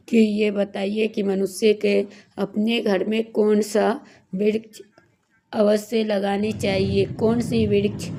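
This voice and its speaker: A woman with a cold-roughened, hoarse voice tells a devotional story at an unhurried pace. Her pitch stays flat and level throughout, and she rambles a little with restarts and fillers, speaking to her viewers as friends. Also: noisy background. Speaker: devotional YouTuber.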